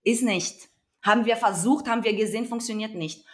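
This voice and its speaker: A young adult Brazilian woman with a Brazilian Portuguese accent speaks briskly in a fairly high voice. She is an activist guest in a conversational interview, talking earnestly and emphatically while often searching for her words.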